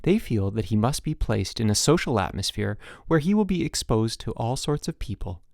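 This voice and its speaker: A man's voice: mid-range voice, big pitch swings, moderate pace, gravelly, darkish tone, dry recording, clean studio sound. A man voicing a concerned parent's letter in a storybook, formal and careful. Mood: earnest, cautioning.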